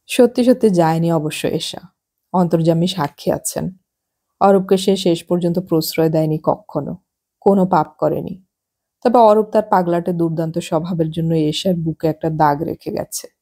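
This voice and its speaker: Woman audiobook narrator, low, dark and husky, calm scripted novel reading. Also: moderate pace.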